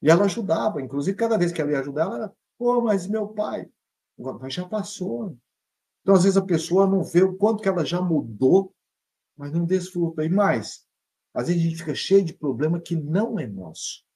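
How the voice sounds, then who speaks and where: A middle-aged Brazilian man gives a motivational talk as a psychologist. His voice is husky and mellow, pitched a little high for a man, and it swings widely as he acts out the fretful voices of the people he describes. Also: brisk. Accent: Brazilian Portuguese. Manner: animated, leaps between high and low pitch, acts out quoted thoughts.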